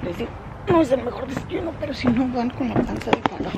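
A woman's voice: on the high side, expressive, quick pace. A woman in her thirties chatting to her viewers from the driver's seat as she runs errands. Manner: chatty, switches into English with staff and kids. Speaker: vlogger. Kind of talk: casual chat to camera while driving. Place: inside a car, in a drive-through and parking lot. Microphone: camera mounted on the dashboard. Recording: car interior with clear road noise.

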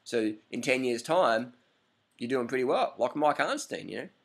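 A man's voice: medium pitch, expressive, normal speed, fairly bright tone. A man in his thirties answering a viewer's question in a casual, rambling webcam vlog indoors, repeating his points for emphasis. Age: 30s. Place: indoor room with curtains, at night. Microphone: laptop webcam up close.

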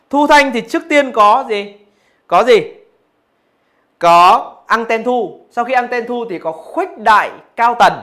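A man with a high voice teaches physics, working through exam questions one by one. He keeps checking with his students as he explains each answer. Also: a bit bright. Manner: talks through answers, asks rhetorical questions. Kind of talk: exam review lesson.

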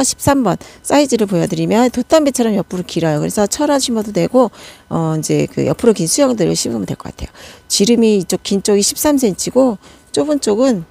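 A woman's voice: mid-range voice, vocal fry, a little mellow. A woman showing off plant pots for sale in a casual chatty way, reading out sizes and prices as she goes. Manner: chatty, counts numbers and prices aloud. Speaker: succulent pot seller. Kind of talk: casual product showcase.

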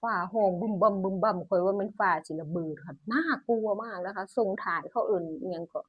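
A woman's voice: mid-range voice, fast talker, breathy edge, no room sound, muffled recording. A woman with a northeastern Thai Isan accent hosting a casual lottery numbers channel from home, chatty and exclamatory, often laughing. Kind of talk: casual chat while reading incense numbers. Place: home, indoors.

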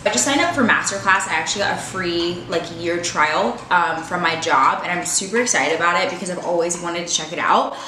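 A woman's voice: fairly low pitch, pushed and bright, a little hiss or hum. Chatty young woman in an echoey room. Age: 20s. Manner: chatty, filler-heavy, upbeat. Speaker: vlogger. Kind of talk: casual vlog chat. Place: apartment room at home.

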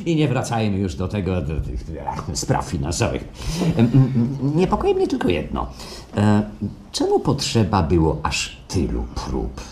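An actor in a radio play playing an effusive, courteous, inquisitive clinic administrator, with halting, fawning politeness. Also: male voice, lowish voice, wildly swooping pitch, mellow, heavily acted. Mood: ingratiating, curious. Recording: faint background noise, live stage.

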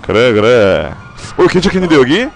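A young man giving loud, excitable commentary while playing a video game, swearing and shouting at what happens on screen. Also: medium pitch, normal speed, vocal fry, a little hiss or hum, low-quality recording. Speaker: gameplay streamer.

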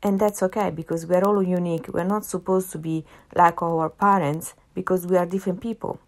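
A woman's voice: on the low side, steady tone, brisk. A woman with an Italian accent hosting a solo podcast, talking earnestly and repeating phrases for emphasis. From half Italian, family in Italy. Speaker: podcast host.

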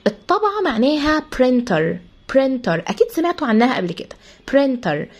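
A woman with an Egyptian Arabic accent, an English teacher who explains words to pupils and repeats each one slowly, spelling out how the sounds are said. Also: sits high, big pitch swings. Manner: addresses pupils as "kids". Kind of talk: vocabulary lesson for pupils.

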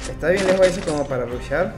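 A man's voice: a little high, quick pace. A young man from Venezuela with a Venezuelan Spanish accent, talking through his gameplay in casual chat, hyping his viewers and tagging "eh" onto his lines. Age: young adult. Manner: chatty, hypes viewers, constant filler "eh". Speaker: gaming streamer. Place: small home room. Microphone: headset boom mic. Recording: game music behind the voice. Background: game music.

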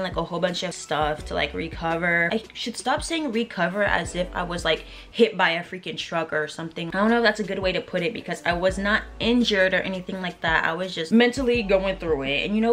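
A young woman with a slightly raspy voice, talking casually to the camera from her bed, animated and full of slangy asides to her viewers. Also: medium pitch. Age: young adult. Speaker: vlogger. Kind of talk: casual vlog chat to camera. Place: bedroom, in bed. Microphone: handheld camera close to face.

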